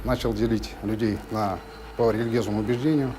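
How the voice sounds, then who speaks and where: A man giving a formal interview account as an official, speaking haltingly in bureaucratic phrases. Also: fairly low pitch, fairly even intonation, noisy background. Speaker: official interviewee on a criminal case.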